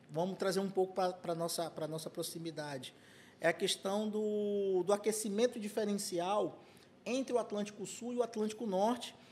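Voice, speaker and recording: The speaker has a Pará accent. The pace is moderate, with ordinary pitch variation. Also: man, high pitch for a man. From Brazil, Pará. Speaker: meteorologist. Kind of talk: casual interview chat. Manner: halting, many fillers and repeats.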